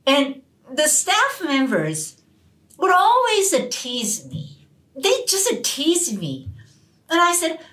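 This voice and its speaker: A middle-aged woman professor, an English speaker, telling stories in an interview, animated and often restarting her words. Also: lowish voice, low-quality recording. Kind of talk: storytelling interview answers. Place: university hall.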